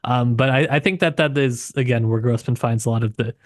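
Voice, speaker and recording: Casting: man for literary podcast co-host. Medium pitch, reflective and self-qualifying, casual delivery, very little room sound. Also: fairly quick, no echo, studio quality.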